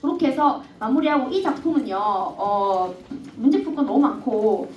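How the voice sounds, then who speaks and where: A woman's voice: on the high side, expressive, moderate pace, slight background noise. A woman teacher with a Gyeongsang accent lecturing a class, constantly asking students questions. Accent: Gyeongsang dialect. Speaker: Korean language teacher. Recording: echoey classroom from far off, dull.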